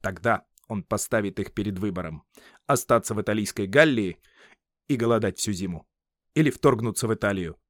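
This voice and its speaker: A man reading an audiobook, voicing an eager Roman officer who explains at length in a lively, raised voice. The recording is dry. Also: lowish voice, a little fast, dry recording, natural voice.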